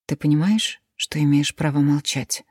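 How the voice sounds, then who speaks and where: A woman reading the lines of a kindly middle-aged uncle in an audiobook, soft and reassuring. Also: low-pitched, moderate pace, breathy edge, no echo, clean studio sound.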